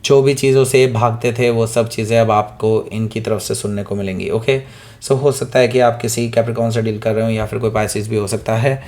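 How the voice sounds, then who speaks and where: A man with a hoarse throat giving a weekly tarot reading, talking straight to the viewer, often checking in with "okay?" and mixing in English words. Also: on the low side, steady tone, brisk, darkish tone. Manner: keeps asking "okay?" to the listener, mixes in English words. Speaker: tarot reader.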